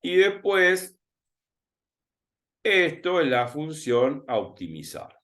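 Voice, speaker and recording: A man with a Rioplatense Spanish accent teaching a recorded math lesson, thinking aloud and repeating words slowly as he writes. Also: fairly high pitch, sing-song, a bit bright. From Argentina. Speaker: math tutor.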